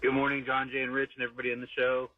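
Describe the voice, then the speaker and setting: A man's voice: mid-range voice, monotone, rapid-fire, faint music behind. A man calling in to a radio show with a joking, upbeat voice message. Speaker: caller leaving a voice message. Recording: tinny phone message, far from mic.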